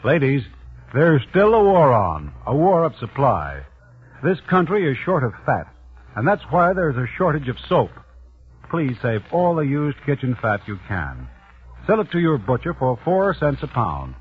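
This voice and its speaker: A man's voice: mid-range voice, very animated, unhurried, husky. A man reading 1940s radio commercials and announcements in a punchy, salesman-like way. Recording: tinny, narrow 1940s radio recording.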